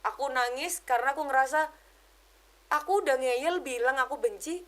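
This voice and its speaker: A woman giving an emotional personal testimony as a podcast guest, telling it in an animated way and keeping the host close in the talk. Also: high-pitched, normal speed. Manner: animated storytelling, keeps addressing the host as brother; drops English words into her speech.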